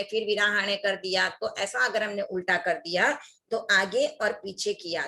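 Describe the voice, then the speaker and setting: A woman's voice: mid-range voice, a bit bright. A woman teaching an online religious workshop, explaining recitation mistakes and reciting scripture passages as examples.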